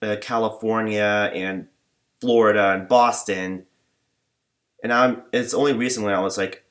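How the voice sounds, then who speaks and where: A young man rambling in a personal vlog, talking in a flat monotone with many fillers and false starts. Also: fairly low pitch, measured pace. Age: young adult. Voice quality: limited, flat range. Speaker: vlogger.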